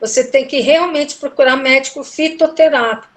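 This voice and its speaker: A middle-aged woman with a fairly high voice tells a personal story in relaxed conversation. She retells it with feeling and slips into the voices of the people she quotes. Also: normal speed. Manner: emotional, animated retelling with quoted dialogue. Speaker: guest telling a personal story. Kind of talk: casual storytelling interview.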